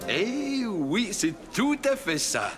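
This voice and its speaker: A man voicing a kindly, slightly forgetful old grandfather in a children's cartoon, gentle, patient and expressive. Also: high voice, slow, over music, exaggerated voice. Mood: careful, patient. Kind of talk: dubbed children's cartoon dialogue.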